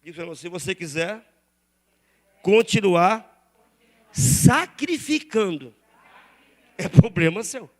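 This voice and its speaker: A Brazilian pastor preaching a sermon in a church, calling on the congregation to repeat phrases and respond aloud. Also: male voice, high voice, big pitch swings, takes it slowly, pauses often. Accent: Brazilian Portuguese. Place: church sanctuary.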